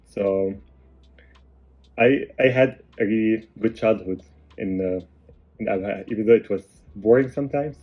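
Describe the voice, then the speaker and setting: A man, answering interview questions in a calm, quiet way. His voice sits low, with fillers and pauses between thoughts. The sound is dull and lo-fi. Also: husky. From Egypt. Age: 30s. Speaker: podcast guest.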